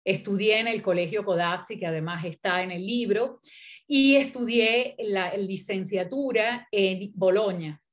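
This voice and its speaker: Slow, halting woman poet speaking. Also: mid-range voice. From Venezuela. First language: Italian. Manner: thoughtful, halting, many fillers and restarts. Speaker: poet and critic, guest speaker. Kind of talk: academic panel talk.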